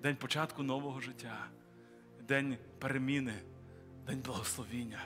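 A man's voice: mid-range voice, fairly even intonation, moderate pace, long reverb tail. A man preaching and leading an altar-call prayer, urging listeners to come forward with pleading repetition. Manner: urgent pleading, repetitive invitations. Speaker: pastor. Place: large church hall with balcony. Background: applause and music.

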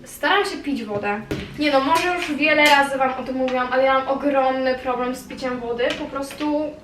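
A young woman with a high voice talks in a casual vlog style. She is informal and confiding, wandering through her stories as if to close followers. Light music plays behind her. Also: rough recording. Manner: informal, confiding, rambling storytelling with occasional swearing. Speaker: vlogger.

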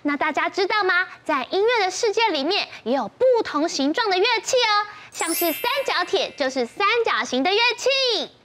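A woman's voice: extremely high pitch, lively intonation, normal speed, few pauses, slight background noise. A young woman with a Taiwanese Mandarin accent hosting a children's show, explaining cheerily and simply as if to toddlers. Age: young adult. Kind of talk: scripted children's presenting. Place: TV studio. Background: loud children's music.

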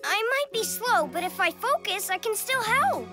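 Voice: very high-pitched, very animated, moderate pace. A performer voicing an earnest, eager, easily distracted little boy superhero in a children's cartoon. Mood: determined. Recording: loud music behind voice.

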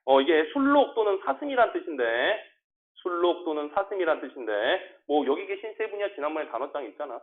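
A male teacher running a classroom English lesson, drilling pronunciation and asking quick check questions. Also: fairly high pitch, big pitch swings. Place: small classroom. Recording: tinny phone-like classroom recording.

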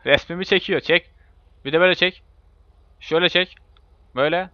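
A man commentating a racing game in a casual, excitable way, swearing and yelling when he crashes. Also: fairly high pitch, a little fast. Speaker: gameplay video host. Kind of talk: live gameplay commentary. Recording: muffled lo-fi mic with faint hiss.

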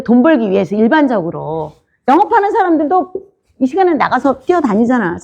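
A woman's voice: sits high, dark tone, lo-fi sound. A woman pastor preaching a sermon in an informal, questioning way, often asking the congregation whether they understand.

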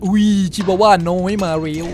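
A man giving casual gameplay commentary, excitable, swearing freely and exclaiming as he plays. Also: sits high, moderate pace, slight background noise. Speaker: gameplay streamer.

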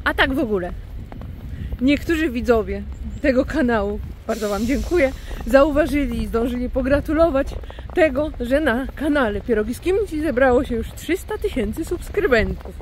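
With her phone held at arm's length, a Polish vlogger in her thirties walks under an umbrella through snowy city streets, chatting in a casual, playful, self-ironic way. Her high-sitting voice is expressive and a little mellow at a moderate pace. The recording is rough, with faint street noise and passing cars.

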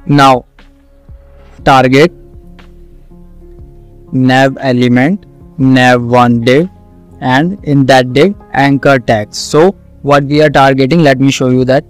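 Slow, clear South Asian man teaching. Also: medium pitch, steady tone, soft background music. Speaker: coding tutorial instructor. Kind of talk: screen-recorded tutorial, explaining step by step.

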